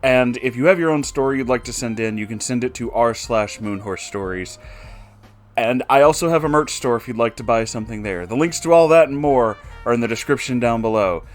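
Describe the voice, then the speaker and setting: A man's voice: medium pitch, lively intonation, fairly quick, soft background music. A man hosting a story-reading channel, giving casual, sarcastic commentary on a book he finds stupid. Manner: sarcastic, exasperated critic.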